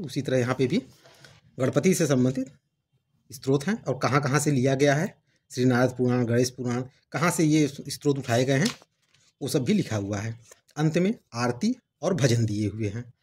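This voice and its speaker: A man talks through a devotional book for his channel, explaining what is in it and reading parts aloud. His voice is husky and sits at a middle pitch. The delivery is casual and explanatory. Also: moderate pace, darkish tone. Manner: explanatory, conversational, reads passages aloud. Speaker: channel host reviewing books. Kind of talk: casual book review talk.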